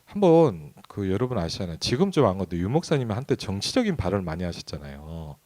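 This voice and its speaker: A man's voice: deep voice, sing-song, fast talker, mellow. A man who is a pastor, preaching a midweek sermon in a conversational way and often asking the congregation questions. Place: church sanctuary.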